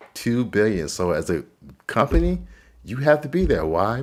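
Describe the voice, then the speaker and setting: A man speaks in an animated tone with vocal fry. His pitch swings very widely. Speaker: digital marketing coach and webinar host. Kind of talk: webinar presentation. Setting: online webinar. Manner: fast.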